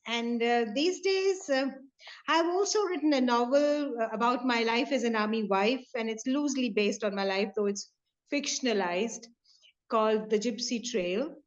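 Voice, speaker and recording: A woman's voice: a little high, normal speed. A middle-aged woman from north India with an Indian English accent, a Punjabi native speaker, chatting as a poet guest with many fillers and light laughs. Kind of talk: casual video-call chat. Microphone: video call. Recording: dull lo-fi call audio.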